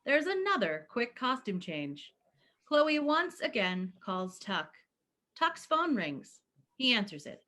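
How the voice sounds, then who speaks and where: A woman's voice: on the high side, big pitch swings, slow pace, pushed and bright. A woman reading out the stage directions of a play as scripted narration.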